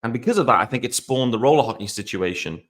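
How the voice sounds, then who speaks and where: A Welsh man in his forties talks through a solo sports podcast in a loose, rambling way. His pitch sits in an ordinary middle range for a man. He drifts between points and teases himself as he goes. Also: animated, quick pace, a bit bright. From South Wales. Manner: rambling, conversational, self-deprecating. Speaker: podcast host. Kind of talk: casual solo podcast talk.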